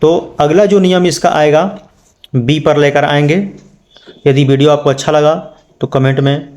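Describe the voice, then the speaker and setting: A man's voice: on the high side, flat delivery, moderate pace, a little mellow. A man teaching an English pronunciation lesson, spelling words out letter by letter and asking his students questions. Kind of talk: spoken lesson.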